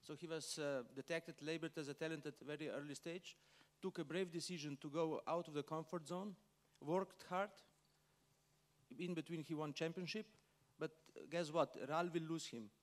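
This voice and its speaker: A man's voice: a little high, fairly even intonation, normal speed. A man speaking as a business panelist, hesitant, with many fillers and non-native phrasing. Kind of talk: panel discussion answers.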